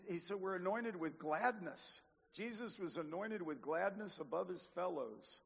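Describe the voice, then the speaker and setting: A man's voice: a little high, vocal fry, fairly bright tone. An older man with an American accent preaching a charismatic sermon, exhorting in a folksy way and repeating phrases for emphasis. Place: large church or hall, live preaching. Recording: long echoing hall reverb.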